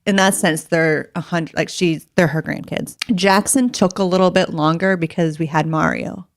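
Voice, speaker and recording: A woman co-hosting a podcast, earnest in casual chat and quick with jokes. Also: lowish voice, fairly even intonation, dry recording, studio quality. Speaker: podcast co-host. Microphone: podcast studio mic.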